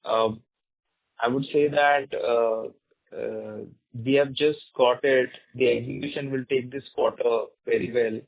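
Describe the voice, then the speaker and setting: A man answering questions as a company executive on an earnings call, explaining in a halting way. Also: mid-range voice, fairly even intonation, no echo. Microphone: conference phone call. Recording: narrow tinny phone line.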